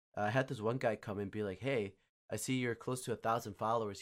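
This man has a normal speaking voice with a fairly low pitch. He speaks at a fairly quick pace with ordinary pitch variation. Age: 20s. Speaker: podcast host and streamer. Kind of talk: casual chat. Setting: online call.

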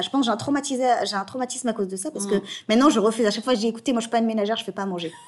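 A woman talks at a very fast pace. Her voice sits fairly high. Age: 30s. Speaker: podcast co-host. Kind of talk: casual chat.

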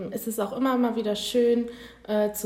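A woman's fairly high voice at a moderate pace, with fairly even intonation over noticeable background noise. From Hameln, Lower Saxony, Germany. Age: 20s. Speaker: podiatry trainee. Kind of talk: casual interview. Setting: podiatry practice. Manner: hesitant, many fillers.

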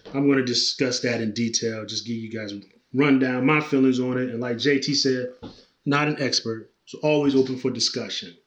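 At a moderate pace, a man talks at a medium pitch with fairly even intonation. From Canton, Ohio. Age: 40s. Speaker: podcast co-host. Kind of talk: casual chat. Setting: home basement.

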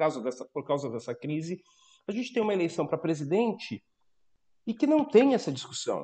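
A man talks with his pitch swinging very wide. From Brazil, São Paulo. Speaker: podcast host. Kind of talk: interview.

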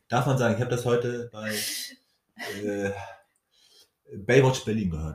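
Long, frequent pauses break up this man's medium-pitched speech, and room echo can be heard. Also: ordinary pitch variation, moderate pace. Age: 40s. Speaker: podcast co-host. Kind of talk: casual chat. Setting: at home, kitchen table.

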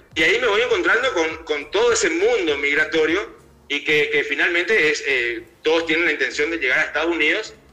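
A man at a fairly quick pace and very even loudness, with audible room echo and music in the background. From Paraguay, Asunción. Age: 40s. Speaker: photojournalist. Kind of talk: interview.

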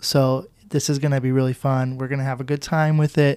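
A man with an American accent speaks at a medium pitch and moderate pace in a dark, mellow tone, his intonation monotone and flat, the sound dry and close with no echo. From Arizona. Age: 30s. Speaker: podcast co-host, parent. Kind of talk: casual chat.

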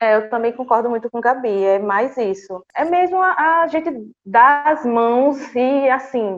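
A woman speaks at a high pitch with lively intonation. Her pace is fairly slow, with hardly any pauses. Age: 20s. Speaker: content creator. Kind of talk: casual discussion. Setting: video call.

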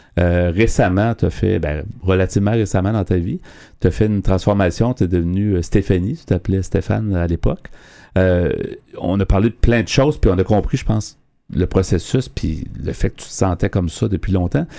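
A man speaks with a very deep, low pitch and a dark, mellow tone. His pitch varies in an ordinary way. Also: moderate pace. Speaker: radio host. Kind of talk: radio interview.

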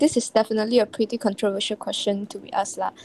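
Talking at a fairly quick pace, a woman speaks with a Malaysian accent. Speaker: student podcaster. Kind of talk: casual chat. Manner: animated.

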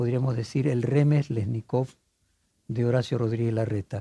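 Dark, mellow tone from a man, pitch varying in an ordinary way. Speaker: journalist. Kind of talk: interview.

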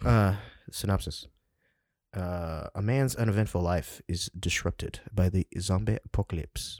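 Ordinary pitch variation marks a man's very deep, low voice at a fairly slow pace. The recording is very clean, with a silent background. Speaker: podcast host. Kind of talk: casual banter, film review podcast. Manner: casual, profane, joking.

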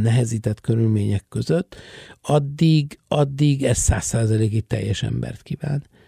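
A man talks at medium pitch in a dark, mellow tone that is somewhat breathy. His moderate pace and ordinary pitch variation come through a dry, close sound with no echo. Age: 60s. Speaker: theatre producer. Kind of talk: interview. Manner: halting, repeats words.

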